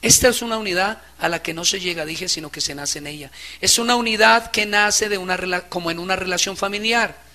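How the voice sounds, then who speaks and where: A man preaching a sermon as pastor, swinging between quiet, low passages and loud, impassioned stretches. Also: brisk, hardly any pauses.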